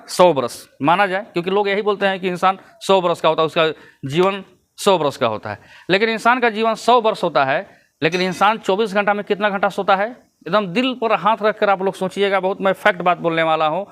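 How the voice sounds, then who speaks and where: A man's voice: high-pitched, fairly quick, a bit bright, clear, resonant tone. A man giving casual vlog commentary, lecturing his viewers and chuckling between points. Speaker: YouTube commentator.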